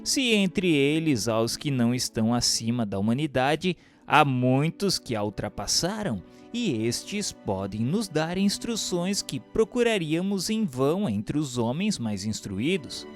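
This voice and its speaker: A man with a Brazilian accent reading scripted, formal narration and questions in a deliberate manner. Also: mid-range voice, big pitch swings, soft background music.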